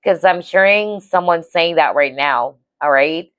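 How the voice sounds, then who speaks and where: A woman's voice: on the low side, unhurried, a bit bright, no room sound. A woman giving a casual tarot reading to viewers, chatty and reassuring, often checking in with "okay?". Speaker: tarot reader.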